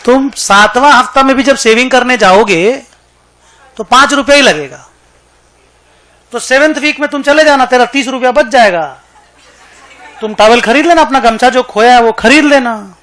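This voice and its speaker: A man voicing a confident Bengali passer-by who questions briskly and hands out clever advice in a told joke. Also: very high-pitched, pushed and bright, voice pushed up. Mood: advising. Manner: brisk, questioning, know-it-all.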